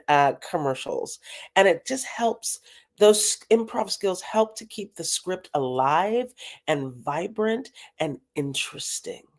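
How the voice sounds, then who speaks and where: A talent manager, a woman, explaining things in a live video-call interview, animated and repeating phrases for emphasis. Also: sits low.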